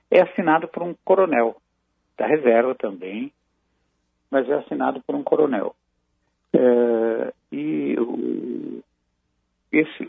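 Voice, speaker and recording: Over a tinny phone line, a Brazilian military affairs commentator gives analysis in what sounds like a news program phone-in. His medium-pitched voice is gravelly and dry, his delivery measured and halting with frequent restarts, and there's no room sound.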